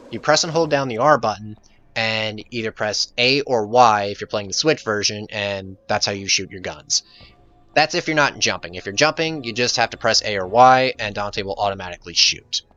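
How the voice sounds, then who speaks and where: A man's voice: on the low side, moderate pace, bright, forceful tone. A man giving casual, jokey gameplay commentary as the host of a let's play.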